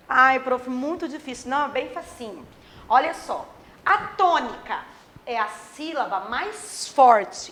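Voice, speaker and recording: A woman teacher explains a grammar lesson to children in a high, animated voice. She voices her pupils' questions herself. Faint background noise sits under a slightly distant mic at times. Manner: plays imagined pupils' questions.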